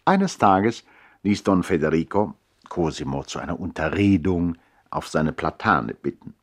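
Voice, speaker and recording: An actor narrating a radio play as a reflective brother telling a tale in a measured, literary way, with a husky voice. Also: male voice, low voice, sing-song, heavily acted. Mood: calm, wry. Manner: measured storytelling.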